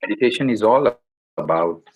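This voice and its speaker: A man guiding a meditation in a gentle, deliberate way, speaking in short phrases with long pauses between them. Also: on the low side, animated, low-quality recording. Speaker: meditation guide. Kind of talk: guided meditation instruction.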